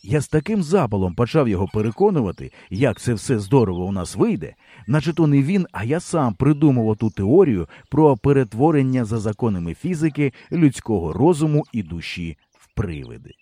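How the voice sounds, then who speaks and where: A man narrating an audiobook in a lively storytelling manner. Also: medium pitch, brisk, few pauses, breathy edge, no room sound.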